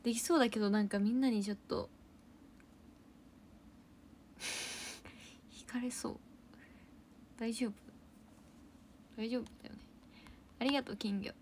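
A young woman hosting a casual idol livestream. She reads out viewer comments and thanks them for gifts, and often drops into soft, whispery asides. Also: on the high side, steady tone, measured pace, long pauses, a little hiss or hum.

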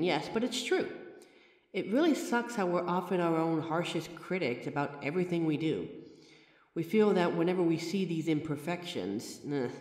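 A woman playing a chatty, reassuring mirror reflection. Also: sits low. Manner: chatty, warm-hearted reassurance, self-aware rambling. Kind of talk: comfort roleplay audio. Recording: roomy echoey recording with long reverb.

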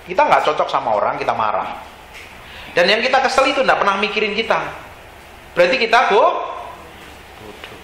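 A man preaching to his congregation in a casual, slangy sermon, voice pitched high and swinging widely up and down. He keeps firing questions at the listeners. The sound is roomy and echoing, with a faint hum of ambience behind. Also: sing-song, fairly quick, long pauses, sharp tone. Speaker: pastor. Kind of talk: lively sermon. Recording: echoey hall with faint ambience.

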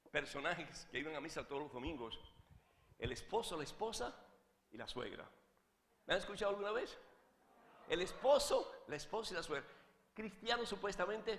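A man preaching as a Catholic priest, swinging from hushed asides to shouted fervor. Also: on the high side, echoey room, big-room sound, slight background noise. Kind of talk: sermon with a joke.

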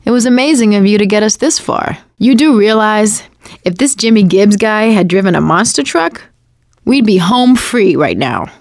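An actress playing a sassy, wisecracking young woman surviving a zombie apocalypse in a video game, sardonic and expressive. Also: medium pitch, moderate pace, no echo, clean studio sound, natural voice. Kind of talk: video game combat barks and quips.

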